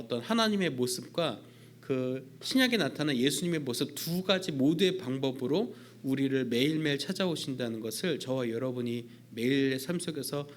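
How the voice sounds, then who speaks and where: A man, a youth pastor, preaching a sermon in a church service in a conversational way, with frequent fillers. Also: medium pitch.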